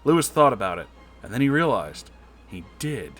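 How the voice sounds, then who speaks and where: A man reads a comic story aloud in a medium-pitched voice. His delivery is emphatic and dramatic, and music plays underneath. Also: big pitch swings, moderate pace, fairly bright tone. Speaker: story narrator and channel host. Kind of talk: dramatic comedic story reading.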